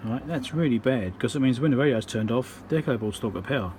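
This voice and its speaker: A man's voice: mid-range voice, lively intonation, fast, darkish tone, slight background noise. A man with a New Zealand accent giving a casual, unscripted, matter-of-fact walkthrough as he works at an indoor bench. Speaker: electronics repairer presenting his work. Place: indoor workbench.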